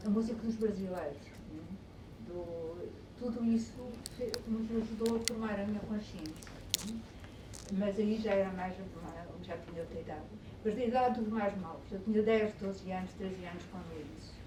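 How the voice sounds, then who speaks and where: With noticeable background noise and audible room echo, a woman speaks at a medium pitch with fairly even intonation. Her loudness swings widely, and she leaves long, frequent pauses. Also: moderate pace. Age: 70s. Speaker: audience member. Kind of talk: Q&A comment at a public talk.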